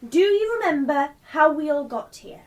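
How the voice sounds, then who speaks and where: A woman's voice: high-pitched, animated, moderate pace. A woman playing a confused, exasperated newcomer, impatient and emphatic in her questioning, in a radio play. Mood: scolding. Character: confused, exasperated newly arrived woman demanding answers. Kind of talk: theatrical radio play acting.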